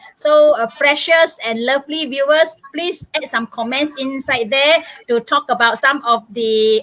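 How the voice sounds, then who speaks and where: A high-pitched woman's voice over noticeable background noise. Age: 60s. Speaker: online talk show co-host. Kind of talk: casual chat.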